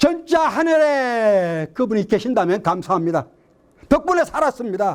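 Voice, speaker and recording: Very wide pitch swings run through the high voice of this man. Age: 70s. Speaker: columnist and retired army officer. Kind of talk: public lecture.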